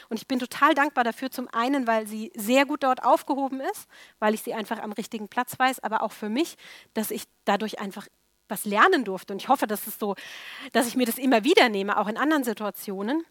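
A woman's voice: fairly high pitch, a bit bright, dry recording, studio quality. A woman preaching a sermon emphatically, repeating key words for stress.

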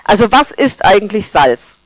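A woman's voice: medium pitch, sing-song, moderate pace, no echo, poor audio. Woman preaching, friendly, conversational, talks to the congregation, dry close sound. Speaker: preacher, teacher by profession. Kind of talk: sermon.

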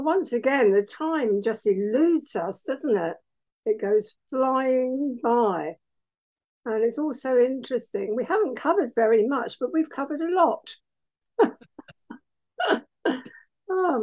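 A woman hosting a Christian radio show, croaky from hay fever, chatty and laughing as she wraps up. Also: on the high side, lively intonation, slow pace, long pauses. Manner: chatty, laughing, warm asides. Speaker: radio host. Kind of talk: casual radio sign-off chat.

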